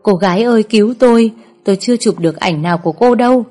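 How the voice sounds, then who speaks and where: A woman's voice: medium pitch, normal speed, darkish tone, soft background music, lightly acted. A woman voicing a frightened young man who pleads desperately, in a storybook reading. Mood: pleading. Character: terrified young man begging for his life.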